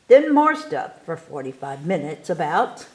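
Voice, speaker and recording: A woman reading a rhyming picture book aloud to children in an expressive, theatrical way, stretching key words for emphasis. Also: deep voice, measured pace. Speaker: story time reader.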